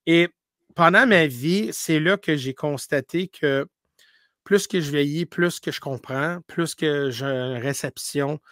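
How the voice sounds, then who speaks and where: A man who grew up speaking English, talking in as a paranormal streamer in a casual interview, telling animated stories full of restarts and English words. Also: fairly high pitch, slow pace, no room sound, clean studio sound. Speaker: paranormal live streamer, guest.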